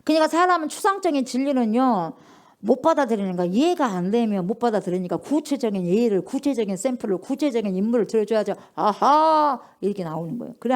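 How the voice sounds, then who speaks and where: Middle-aged female pastor, fairly high voice, animated sermon with call-and-response. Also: fast. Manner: lively call-and-response preaching, acts out dialogue.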